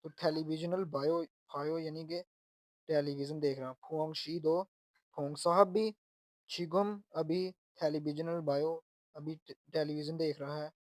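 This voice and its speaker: Steady, even-toned male language teacher. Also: fairly high pitch, a little slow, no echo. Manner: patient, repeats and explains word by word. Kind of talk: explaining Korean exam lessons.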